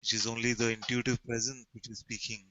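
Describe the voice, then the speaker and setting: A man with an Indian accent, answering questions as a spiritual teacher in a calm, gentle way. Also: mid-range voice, fast talker, no room sound, dull audio.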